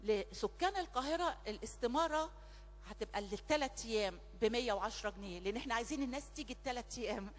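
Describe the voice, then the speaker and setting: A woman's voice: fairly high pitch, animated, fast. A woman with an Egyptian Arabic accent leading a church prayer meeting, speaking emphatically and repeating her phrases fervently. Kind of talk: church announcements and spoken prayer. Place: large church hall. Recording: long church reverb, faint music behind.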